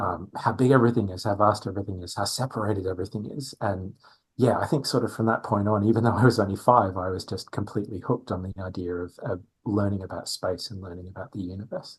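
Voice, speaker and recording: Against a quiet background, a man with a slight Australian accent talks at a very fast pace, his fairly low, somewhat breathy voice swinging widely in loudness. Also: fairly even intonation. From Australia (Bendigo, Victoria). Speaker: astronomer. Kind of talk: podcast interview. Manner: hesitant, many fillers.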